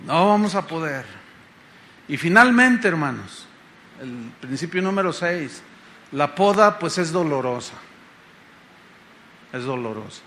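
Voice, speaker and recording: A middle-aged Mexican pastor preaching a sermon in a conversational style, often asking the congregation rhetorical questions. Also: male voice, a little high, bright, forceful tone. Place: church congress hall.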